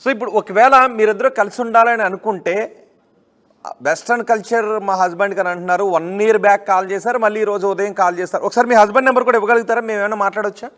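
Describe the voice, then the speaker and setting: A male news interviewer with a high voice who asks his questions at a rapid clip. He is brisk and businesslike, and he restates callers' questions clearly for the guest. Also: fairly even intonation, a bit bright.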